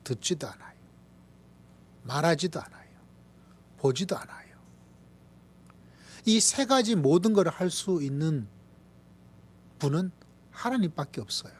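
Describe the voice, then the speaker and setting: Pastor, man, 50s, Gyeongsang accent, animated sermon delivery with whispered asides, fairly high voice. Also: unhurried, pauses often, slightly rough. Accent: Gyeongsang Korean. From Gyeongsang Province, Korea. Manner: animated, swings between loud exclamations and soft whispered asides. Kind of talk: Friday evening sermon.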